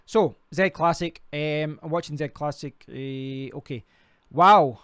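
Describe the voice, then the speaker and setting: A man's voice: fairly high pitch, a little slow, fairly bright tone, smooth, no echo, studio quality. A Scottish man hosting a casual live stream, rambling and talking to himself while clicking through sites. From Scotland. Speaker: crypto livestream host.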